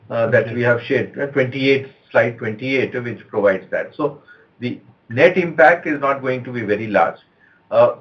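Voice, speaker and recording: Indian guy, company exec on earnings call, medium pitch, measured and halting, dull lofi line. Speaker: company executive answering analysts. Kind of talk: earnings call answers, unscripted.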